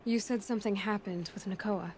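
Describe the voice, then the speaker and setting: A woman's voice: medium pitch, steady tone, a little fast, background noise, close to an everyday voice. A woman voicing a young, tough and curious tribal huntress in a video game, dry and determined in manner. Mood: matter-of-fact.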